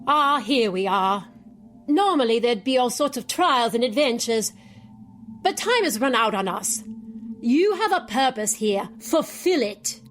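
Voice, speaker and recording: Fussy, imperious aged fantasy queen, high-pitched and unhurried, regal and dismissive, for audio drama over music. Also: lively intonation. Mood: commanding. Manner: regal royal we, dismissive, theatrical swoops. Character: imperious, scatterbrained old chess queen, weary and fussy.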